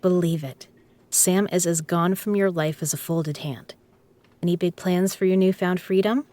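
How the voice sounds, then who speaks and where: A woman's voice: on the low side, steady tone, moderate pace, warm tone, no room sound, close to an everyday voice. A woman playing a tough, teasing poker club owner with a dry, casual manner in an audio drama. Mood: reassuring, candid. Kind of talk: scripted audio roleplay spoken to the listener.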